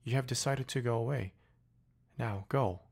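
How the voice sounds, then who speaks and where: A man's voice: medium pitch, normal speed, pitched above the performer's own voice, close to an everyday voice. A man reading an audiobook voices a proud, delicate young female flower with a pleading yet haughty manner. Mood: proud, wistful. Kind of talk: audiobook character voice.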